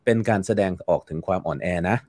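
A man's voice: deep voice, fast talker, darkish tone, no room sound. A man speaking as a guest in a casual interview, explaining at length with frequent fillers and repeated words. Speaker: guest commentator.

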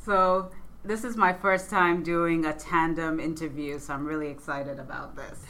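A woman's voice: low voice, steady tone, normal speed, fairly bright tone, a little hiss or hum. A woman in her thirties, from Ghana, hosting a casual interview, chatty and laughing often. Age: 30s. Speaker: host.

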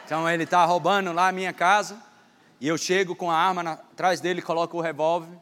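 Here the preacher talks quickly with a flat delivery, his fairly high voice carrying a fairly bright tone. He jokes with and teases a volunteer while acting out a lesson on stage, a playful sermon for the congregation in a church hall. The audio has long hall reverb and faint background noise.

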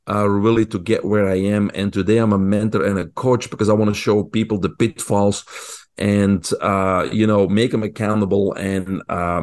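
A Belgian-accented man with a lowish voice answers questions on a radio interview. He speaks as a motivational coach, talking through his competitive drive and goals. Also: a little mellow. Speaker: guest, mentor and coach.

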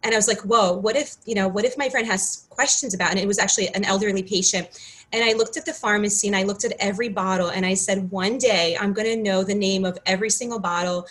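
A pharmacist in her thirties from Ukraine talks fast as a guest in a casual interview, earnest and often starting over, with many "you know"s. Her mid-range voice is a bit bright and keeps a fairly even intonation. The recording quality is low.

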